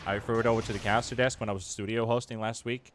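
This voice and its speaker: A man's voice: fairly low pitch, fairly even intonation, quick pace, a little hiss or hum. A man doing play-by-play commentary as an esports caster, his voice climbing during fights.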